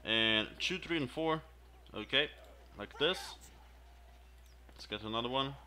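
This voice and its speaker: A man talking casually while he plays a shooter, echoing the instructor's words back and reacting as he goes. He speaks slowly, with a sharp, bright edge to his voice, and a faint hiss sits under the recording. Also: mid-range voice, lively intonation. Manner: muttering reactions, repeating in-game lines. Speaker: gameplay video host. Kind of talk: casual gameplay commentary.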